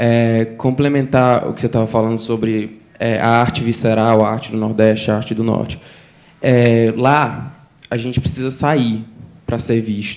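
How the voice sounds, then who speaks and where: In a Ceará accent, a man speaks at a fairly slow pace with a medium pitch and monotone, flat intonation. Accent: noticeable Ceará. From Ceará, Brazil. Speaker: audience member asking a question. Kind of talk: audience question. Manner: halting, with fillers.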